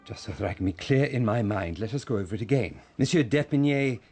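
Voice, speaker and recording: A man's voice: lowish voice, animated, quick pace, over music, natural voice. An actor playing a stern middle-aged crown prosecutor and father, commanding and clipped, in a radio drama.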